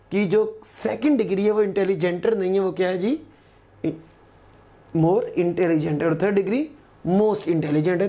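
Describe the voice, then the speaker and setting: A male teacher giving a recorded grammar lesson, patiently repeating words slowly as examples. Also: high voice, mellow.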